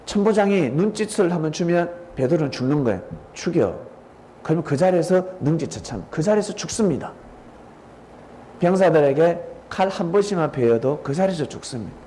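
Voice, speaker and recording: A male pastor giving a dramatic storytelling sermon, pausing to quiz listeners by name. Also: high-pitched, mellow, slight background noise. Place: church sanctuary.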